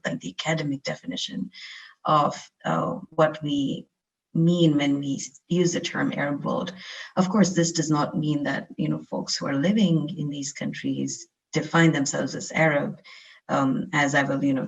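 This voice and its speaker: A woman's voice: low voice, low-quality recording. A young woman from India giving a webinar lecture over a video call, talking conversationally with many fillers and restarts. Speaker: guest lecturer.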